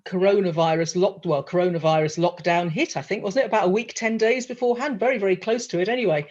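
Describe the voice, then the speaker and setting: A woman hosting an interview, effusive and animated as she tells stories and asks questions. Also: medium pitch, fast talker. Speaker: interviewer, host. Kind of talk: chatty interview. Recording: dull lo-fi sound.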